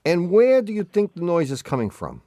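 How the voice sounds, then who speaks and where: An older man co-hosts a radio call-in show, needling his partner and laughing quickly. His pitch is fairly high for a man and jumps around a lot. The sound is close and dry. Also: no room sound. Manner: teasing, quick laughs, animated. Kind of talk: joking call-in radio banter. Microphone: studio microphone.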